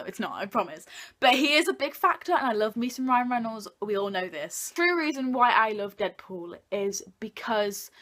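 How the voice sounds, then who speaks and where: A woman's voice: medium pitch, sharp tone. A young woman talking casually and informally to her viewers like a video blogger, jokey and opinionated. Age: young adult. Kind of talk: casual chatty countdown review to camera.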